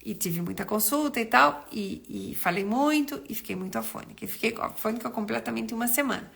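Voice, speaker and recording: A woman's voice: on the high side, lively intonation, brisk, vocal fry, fairly bright tone. A middle-aged woman, recovering from a cold, hosting a casual live stream as a nutritionist and chatting with viewers in a rambling way. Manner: chatty, greets viewers by name, rambles with restarts. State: recovering from a cold, throat still rough.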